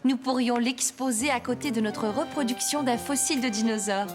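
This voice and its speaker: A woman's voice: a little high, normal speed, over music, lightly acted. A woman playing a kindly, polite librarian in a French children's cartoon. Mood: kindly interest.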